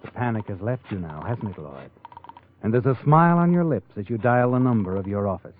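A man's voice: lowish voice, big pitch swings, fairly quick, slight background noise. An actor playing a sly, all-knowing narrator who taunts a guilty man in a 1940s radio drama. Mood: sly, taunting. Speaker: narrator and host. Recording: muffled old radio broadcast with music.

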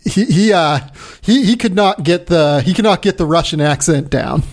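A man with a fairly high, gravelly voice, chatting casually as a podcast host. He talks loosely and often repeats his words. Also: normal speed. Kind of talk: casual chat.

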